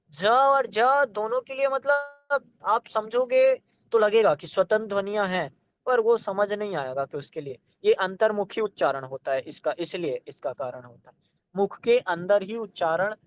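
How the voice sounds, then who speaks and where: A man's voice: sits high, smooth. A man teaching an exam-prep lesson, sounding out letters one by one and urging students to try them. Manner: addresses students directly, coaxing them to try.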